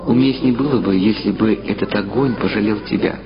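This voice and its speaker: A man's voice: fairly low pitch, brisk, lightly acted. A man voicing a cool, detached male mentor who speaks dryly and didactically in an audio drama. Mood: sardonic. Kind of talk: literary audio drama dialogue. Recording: dull lo-fi sound under loud music. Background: loud music.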